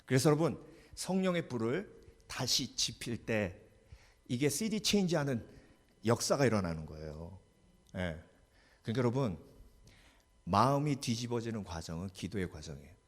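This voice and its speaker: A man's voice: mid-range voice, moderate pace, long pauses. A man preaching a sermon as pastor, talking animatedly and often asking the congregation questions. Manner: lively preaching with many rhetorical questions to the congregation. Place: church sanctuary. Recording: long church hall reverb.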